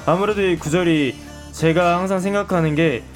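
A man's voice: sits high, normal speed, soft background music. A young man in his twenties, a singer guest, earnestly explaining a lyric. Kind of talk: interview answers.

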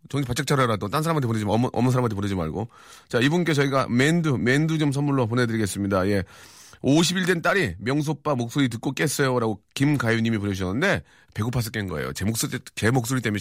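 Man, middle-aged, radio host, teasing, rapid delivery, dry close sound. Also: mid-range voice, dry recording. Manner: fast, joking, teasing banter with frequent fillers. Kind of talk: live radio show reading listener texts. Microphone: studio microphone.

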